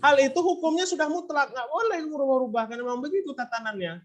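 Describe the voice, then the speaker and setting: A man's voice: very high voice, fast talker. A male teacher explaining grammar to students, asking questions and prompting them to answer. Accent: Indonesian. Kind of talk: classroom lesson.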